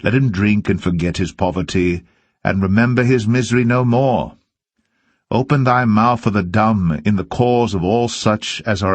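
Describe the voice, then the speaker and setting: A man reading scripture aloud as solemn narration, with measured and deliberate phrasing. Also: fairly low pitch, dry recording. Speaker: Bible reader.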